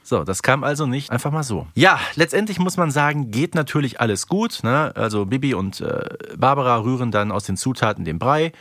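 A man's voice: mid-range voice, animated, fairly quick, hardly any pauses, fairly bright tone, no echo, clean studio sound. A man co-hosting a podcast in casual chat, wry and playfully ironic. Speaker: podcast co-host. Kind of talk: casual chat recapping an audio drama.

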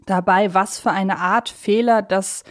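German woman podcast host, ordinary pitch, chatty, rambles and rephrases as she goes. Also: fairly even intonation, unhurried. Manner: wordy, circling explanations with self-corrections. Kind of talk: casual podcast chat.

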